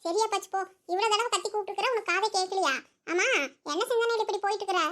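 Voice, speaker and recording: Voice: extremely high pitch, fairly even intonation, racing, a bit bright. A performer voicing a nosy, lecturing village woman friend in a cartoon. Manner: prying, lecturing. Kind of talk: cartoon voice acting.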